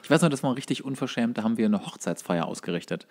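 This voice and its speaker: A man's voice: mid-range voice, expressive, rapid-fire. A man co-hosting a podcast, telling anecdotes casually, often repeating and correcting himself as he goes. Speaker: podcast co-host. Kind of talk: casual chat, bar anecdotes.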